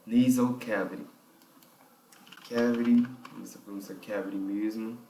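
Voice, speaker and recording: A man's voice: lowish voice, fairly even intonation, a little slow, mellow. A man with a Brazilian Portuguese accent teaching a vocal technique lesson. He explains step by step, thinks aloud and keeps checking in with the listener. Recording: roomy, distant mic.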